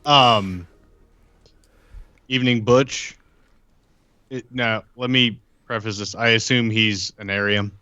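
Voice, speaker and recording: A man's voice: on the low side, steady tone, slow pace, pauses often, sharp tone, dry recording, muffled recording. A man chatting casually as a player in a tabletop game podcast.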